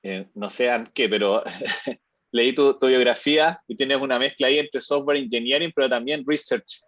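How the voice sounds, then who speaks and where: A man's voice: medium pitch, normal speed, a bit bright, no echo. A man hosting an online seminar, introducing a guest hesitantly with many fillers. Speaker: host. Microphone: video call. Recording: dry, muffled video call audio.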